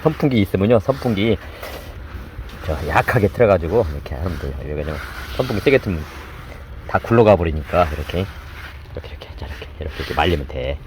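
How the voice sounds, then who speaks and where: A male cooking channel host with a deep, slightly mellow voice and lively intonation demonstrates a recipe at a quick pace, chanting each step aloud as he works in a repetitive running commentary. He is indoors while heavy rain pours outside, its noise loud behind him on the poor audio.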